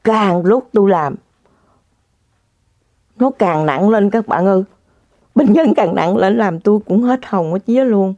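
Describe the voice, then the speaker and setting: A woman tells a story straight to her viewers, full of dramatic exclamations. Her voice is mellow and warm. The recording is dry and a little dull and lo-fi. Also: mid-range voice, a little slow, long pauses, no echo.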